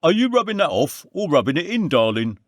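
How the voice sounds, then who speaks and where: Man putting on a flashy cheeky guy, higher and louder than usual, dry sound. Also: sing-song, brisk, dry recording. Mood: cheery.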